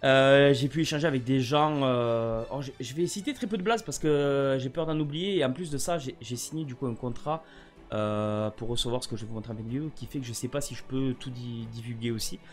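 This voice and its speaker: A man's voice: medium pitch, brisk, soft background music. Stammering French man rambling. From France. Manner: rambling, stammering, repeats words. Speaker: gaming vlogger. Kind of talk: casual chat to camera.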